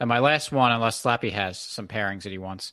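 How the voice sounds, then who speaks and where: With an American accent and a plain, everyday voice, a man at medium pitch speaks with lively intonation over a quiet background. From Pennsylvania. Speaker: podcast co-host. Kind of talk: casual podcast chat.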